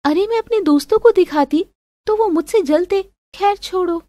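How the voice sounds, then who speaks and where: A woman's voice: very high-pitched, moderate pace, dark tone, no echo, pitched above the performer's own voice. A woman voicing a spoiled, demanding, pouty young girlfriend in an acted family drama story. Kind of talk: melodramatic audio story acting.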